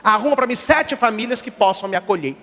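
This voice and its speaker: A man's voice: high voice, expressive, fast talker, bright, forceful tone, long reverb tail. Man doing a patient, indulgent old bishop.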